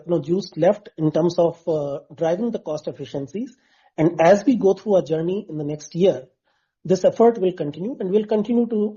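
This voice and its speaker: A man gives measured, formal answers as a finance executive on an earnings call, restarting phrases here and there. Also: high-pitched, mellow, slightly rough. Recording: dull, muffled conference call audio.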